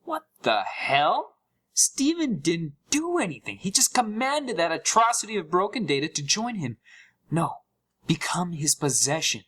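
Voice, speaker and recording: A man's voice: sits high, big pitch swings, a little slow, a bit bright, breathy edge, full character voice. A young man playing an uneasy gamer who narrates a scripted horror story with dramatic, suspenseful delivery. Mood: disturbed, suspenseful. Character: uneasy young male gamer recounting a haunted game.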